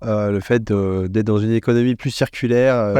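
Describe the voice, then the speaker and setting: A man speaking as an expert podcast guest in a conversational interview, explaining things in a measured way as he thinks aloud. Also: fairly low pitch, steady tone, warm tone, smooth, no room sound, clean studio sound.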